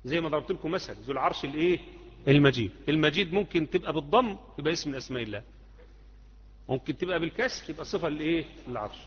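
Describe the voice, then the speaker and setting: An Islamic creed teacher with an Egyptian Arabic accent talks fast and expressively, his slightly high voice sounding muffled and dull. Speaking conversationally, he tosses rhetorical questions back to his students, and the hall gives off a long, ringing reverb.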